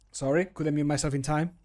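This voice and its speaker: Jokey male streamer, slightly high voice. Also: a little mellow, a little hiss or hum. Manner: jokey, self-mocking. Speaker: streamer and mod voice actor. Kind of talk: casual livestream chat while recording. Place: small home room, indoors.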